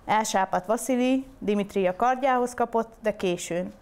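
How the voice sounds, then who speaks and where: A woman reading a long fairy tale aloud as storyteller, with steady, clear delivery. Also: on the high side.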